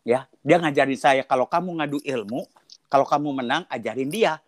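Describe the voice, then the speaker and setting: Casting note: middle-aged man, animated testimony, mid-pitched voice, dry close sound. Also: moderate pace, no room sound. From Indonesia (Sundanese). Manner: animated storytelling, code-switching to English. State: coughing. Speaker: testimony guest. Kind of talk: personal testimony.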